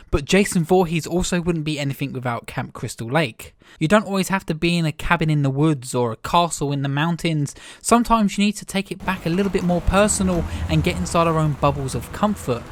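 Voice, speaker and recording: Slightly hoarse man narrating a video essay. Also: a little high, brisk, hardly any pauses, no echo, studio quality. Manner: earnest, enthusiastic reflective delivery. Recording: music playing under the voice.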